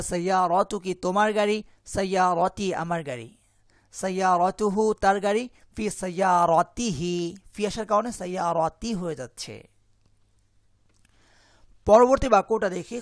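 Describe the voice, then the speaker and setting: A man teaching an Arabic lesson in Bengali, reading each phrase slowly, translating it, and asking questions he then answers himself. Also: sits high, no echo, clean studio sound. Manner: asks the class questions and answers them himself. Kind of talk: explaining a language lesson.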